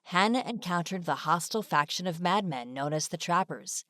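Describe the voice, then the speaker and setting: Low-voiced woman narrator, dry sound. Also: lively intonation, normal speed, fairly bright tone, no echo. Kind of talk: scripted video narration. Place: close, dry voice-over recording.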